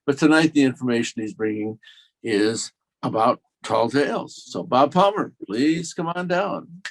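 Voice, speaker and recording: Male meeting host, medium pitch, informal, halting, unscripted introduction.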